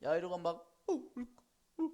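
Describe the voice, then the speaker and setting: A man's voice: high voice, unhurried. A male pastor giving a sermon in church, prodding the congregation for responses and acting out the voices in the story. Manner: animated preaching, asks the congregation for responses, acts out voices.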